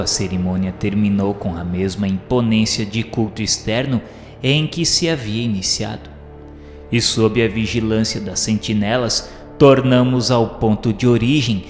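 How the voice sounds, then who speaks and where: A man's voice: lowish voice, natural voice. Man acting a solemn narrating spirit in cavernous reverb. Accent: Brazilian Portuguese. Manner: solemn, formal, literary delivery. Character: solemn male spirit recounting a journey through dark realms. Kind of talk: dramatic scripted audio-drama narration. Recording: echoey long reverb, music behind. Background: background music.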